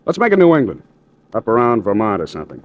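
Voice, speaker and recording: An actor playing a troubled young male composer in a 1940s radio drama, with casual, lively delivery. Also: lowish voice, fast talker, narrow, tinny audio, slight background noise. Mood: easygoing.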